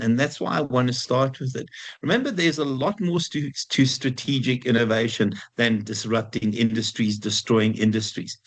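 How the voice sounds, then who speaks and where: A man with a heavy Afrikaans South African accent, lecturing a class informally and conversationally, often repeating himself and putting questions to the students. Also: medium pitch. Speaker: university lecturer.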